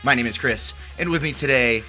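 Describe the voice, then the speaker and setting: A man's voice: mid-range voice, a little fast, over music. A man hosting a podcast in a loose, casual chat, with fillers and restarts. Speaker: podcast host.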